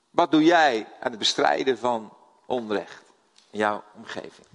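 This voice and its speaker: An older Dutch man preaching a sermon, telling stories and putting questions to his congregation. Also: a little high. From Netherlands. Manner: lively storytelling, asks the audience questions. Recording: long hall reverb.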